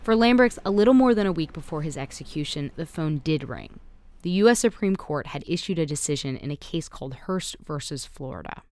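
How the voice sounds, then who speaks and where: A woman reporter giving measured, scripted narration for a radio feature. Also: low voice, lively intonation, darkish tone.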